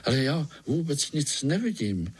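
A man's voice: on the high side, big pitch swings, slightly rough, voice pushed up, heavily acted. A man voicing a small, timid young male spider with a thin little voice. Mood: anxious.

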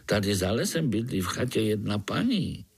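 A man voicing a timid, shy little young male spider who stammers and speaks softly. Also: fairly low pitch, sing-song, breathy edge, full character voice. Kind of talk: storybook reading.

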